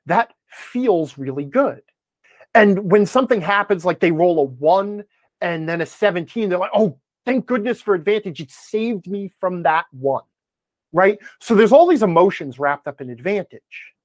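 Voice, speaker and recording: Animated, emphatic man explaining his opinion. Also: high voice, dry recording. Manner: emphatic, checks in with "okay" and "right". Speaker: podcast guest, game design commentator.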